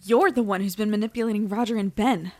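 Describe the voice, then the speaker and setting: A woman's voice: mid-range voice, quick pace, dark tone, close to an everyday voice. A woman playing a stubborn young human captive in an audio drama, blunt, indignant and defiant.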